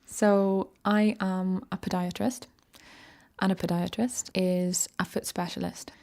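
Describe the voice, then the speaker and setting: Reflective Northern Irish woman, soft music behind. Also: on the low side, slow. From Northern Ireland. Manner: relaxed, reflective, conversational. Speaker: storyteller. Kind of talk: personal story narration.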